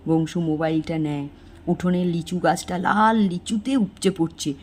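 A woman's voice: steady tone, moderate pace, a little mellow, slight background noise. An older woman narrating a homely village story, briefly lifting her voice for the characters' lines. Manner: homely storytelling, doing character lines with small pitch lifts.

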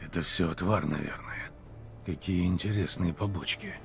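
Low-voiced, deadpan Geralt. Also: male voice, moderate pace, vocal fry. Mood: bemused. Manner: deadpan, terse. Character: stoic male monster hunter, dry and weary. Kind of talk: video game dialogue acting.

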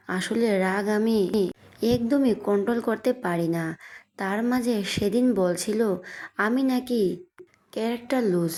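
A woman narrating a romantic audio story in the first person, in a plain, steady reading voice. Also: mid-range voice.

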